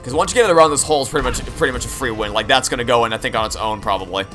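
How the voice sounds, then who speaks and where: A man's voice: mid-range voice, rapid-fire, a bit bright. A young man giving casual, opinionated, rambling commentary as he plays through a video game. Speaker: video game playthrough streamer. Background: game music.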